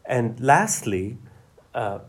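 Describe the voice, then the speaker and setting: A male novelist, a guest in a conversational interview, explaining his ideas at length in a measured way. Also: mid-range voice, sing-song.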